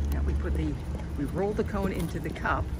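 There is loud noise in the background. The talking keeps a moderate tempo. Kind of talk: casual narration to pets. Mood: cheerful, amused. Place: street. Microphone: phone near.

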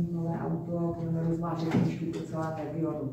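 A woman's voice carries strong room echo along with noticeable background noise. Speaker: deputy mayor. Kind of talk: press conference. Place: meeting room. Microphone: camera far.

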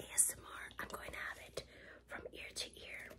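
A woman talks at a fairly slow pace while loud background noise carries on. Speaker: ASMR creator. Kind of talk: ASMR unboxing tutorial, soft-spoken. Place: home room.

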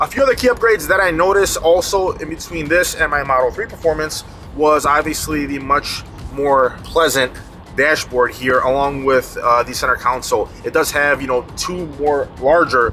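Music plays behind the man. His pace is moderate, and his pitch varies in an ordinary way. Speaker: car vlogger. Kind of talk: casual vlog chat. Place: car. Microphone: phone near.

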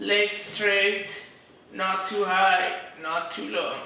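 A man speaks in a raised, projected voice at a very slow pace, with audible room echo and light background noise. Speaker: running coach. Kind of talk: workout instruction with banter. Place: home room. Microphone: camera far.

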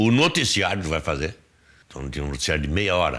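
The man talks at a fairly quick pace. His voice is very deep and low in pitch, with vocal fry. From Santa Catarina, Brazil (raised in Itajaí); Santa Catarina, Brazil. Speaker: radio newscaster. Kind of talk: interview. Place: studio. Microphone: lapel.

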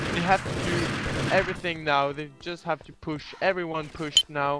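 A man with a non-native accent, fairly slow pace and ordinary pitch variation, with noticeable background noise. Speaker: esports shoutcaster. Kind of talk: live commentary. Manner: halting, many fillers.

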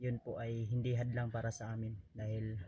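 A man's somewhat breathy voice with a dark, mellow tone and ordinary pitch variation, dry with no echo, over light background noise. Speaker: vlogger. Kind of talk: casual vlog chat. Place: forest. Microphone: phone near.

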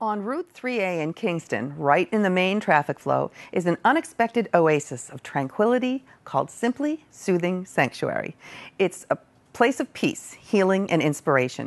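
A woman at a medium pitch makes very wide pitch swings as she speaks. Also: moderate pace. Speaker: community TV news anchor. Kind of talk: news presenting. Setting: studio. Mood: friendly, upbeat. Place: studio. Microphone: lapel.

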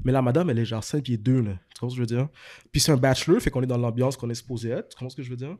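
Over a quiet background, a man with a medium pitch and a dark, mellow tone talks at a very fast pace with fairly even intonation. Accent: Quebec. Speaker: podcast host and football coach. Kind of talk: casual chat. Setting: studio. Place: home room. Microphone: studio mic.

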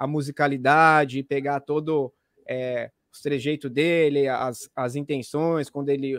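A man with a fairly high voice speaks at a fairly slow pace. The sound is dry with no echo, and the background is quiet. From Brazilian countryside; Brazil. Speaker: voice actor. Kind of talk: anecdote telling. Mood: reminiscing, friendly. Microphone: video call.

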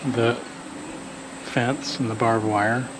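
A man speaks at a fairly slow pace. The sound is dry with no echo, and noticeable background noise runs under it. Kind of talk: casual vlog chat. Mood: nostalgic, reminiscing. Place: street. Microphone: phone near.

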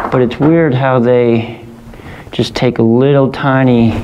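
A man talks at a very slow pace while noticeable background noise carries on. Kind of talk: casual exploration commentary. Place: tunnel cave. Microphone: phone near.

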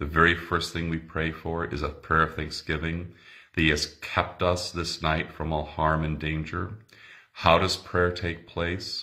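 With a bright, sharp tone and a very deep, low pitch, a man talks at a fairly slow pace in a monotone, flat intonation against a quiet background. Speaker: pastor. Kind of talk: sermon-like Bible study talk. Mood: calm, reflective. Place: church. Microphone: phone near.

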